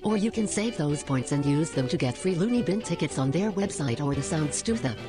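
Someone doing a snarky bored sidekick for a comedy podcast, totally deadpan, loud music underneath. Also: mid-range voice, brisk, close to an everyday voice. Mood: bored sarcasm. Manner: deadpan, sarcastic. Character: snarky, bored, cynical sidekick who mocks everyone. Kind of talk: scripted deadpan comedy insults and mock ad.

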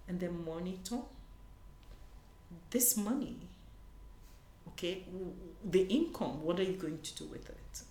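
A woman from Nigeria talks in an earnest, searching way and restarts her thoughts often. Her voice sits a little low. The room is echoey, with a faint hiss underneath. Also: animated, measured pace, pauses often, dark tone. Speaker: conference panelist. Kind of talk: conversational interview.

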